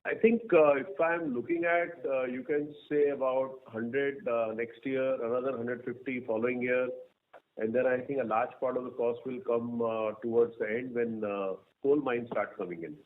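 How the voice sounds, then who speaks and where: A man with an Indian accent speaking as a company executive, answering analysts in a halting way and repeating words. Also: medium pitch, steady tone, a little hiss or hum. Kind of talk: answering analysts on an earnings call. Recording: narrow tinny phone-line sound.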